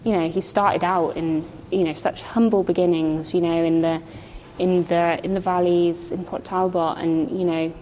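A woman's voice: lowish voice, flat delivery, moderate pace, hardly any pauses, a little mellow. A young Welsh woman, a musician, chatting casually as she describes an exhibition while walking through it. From Wales. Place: exhibition room. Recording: echoey hall with faint background noise.

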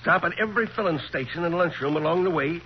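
An actor plays a genial Texas lawman in forties radio crime drama. His is folksy and colloquial, his voice rather high. The sound is dull with a faint hum. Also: fast talker, close to an everyday voice. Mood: folksy, brisk. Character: genial small-town Texas sheriff, folksy man. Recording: muffled, hissy 1940s radio recording.

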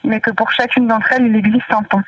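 A woman from northern France, a guest in a casual interview, talking hesitantly with many pauses and fillers. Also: fairly high pitch, fairly even intonation, distant mic, rough recording.

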